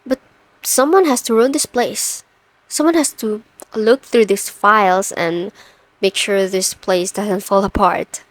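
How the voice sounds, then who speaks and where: A woman playing a stern, overworked chief executive in an ASMR roleplay, measured and commanding with dry sarcasm. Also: mid-range voice, dry recording, low-quality recording. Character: stern, overworked female CEO, pent-up and dryly menacing. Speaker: audio roleplay voice performer.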